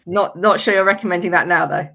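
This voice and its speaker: A woman's voice: fairly low pitch, steady tone, fast, sharp tone. A woman hosting a webinar, moderating the panel with questions and short responses.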